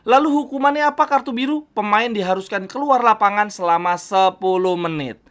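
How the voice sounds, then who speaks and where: A woman's voice: mid-range voice, fairly quick. A woman with a Jakarta Indonesian accent hosts casual football news commentary, chatting informally and often addressing her viewers directly. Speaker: host of a football news channel.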